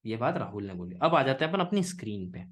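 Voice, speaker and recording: A man from India teaching English in a live online class, mixing Hindi and English, often asking students questions and slowing down on example sentences. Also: mid-range voice, big pitch swings. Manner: Hinglish, engaging students with questions; slow, pausing model sentences.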